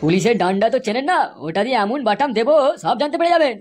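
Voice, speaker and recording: A man voicing a gruff, threatening cartoon police officer with crude, bullying manner, in a pitched-up voice. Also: very animated, rapid-fire, loud music behind the voice.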